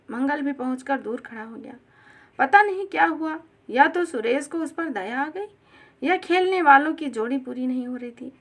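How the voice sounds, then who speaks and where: High-voiced woman reading a story. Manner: steady, expressive storytelling. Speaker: story narrator. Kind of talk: reading a classic short story aloud.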